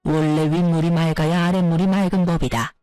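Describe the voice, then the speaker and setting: A woman's voice: medium pitch, moderate pace, darkish tone, no room sound, soft background music, natural voice. A woman voicing a contemptuous middle-aged mother-in-law who berates and insults her daughter-in-law. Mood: shouting.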